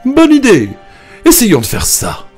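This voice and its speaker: A man's voice: very high voice, wildly swooping pitch, measured pace, breathy edge, faint music behind, voice pushed up, full character voice. A man voicing an exasperated, panicky farmer in a cartoon fable, exclaiming in an overwrought way. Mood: eager.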